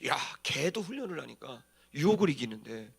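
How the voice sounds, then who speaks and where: A man's voice: fairly high pitch, big pitch swings, normal speed, gravelly, breathy edge. A man preaching as a pastor, telling stories in a colloquial, dramatic way with acted-out emphasis. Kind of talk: animated sermon with storytelling.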